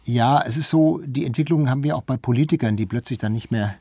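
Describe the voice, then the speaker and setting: A man's voice: mid-range voice, fast, warm tone, no room sound. A mature man speaking spontaneously as a guest in a discussion, explaining his points with hesitant phrasing and emphatic swings. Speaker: interview guest, public radio cultural journalist. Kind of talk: spontaneous panel-style discussion.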